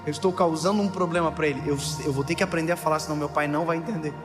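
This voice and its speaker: A pastor in his thirties preaches with a light, high voice, swinging from playful asides to near shouts. His words ring out through a large hall with long reverb. Music plays clearly underneath. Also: steady tone, very fast. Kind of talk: sermon.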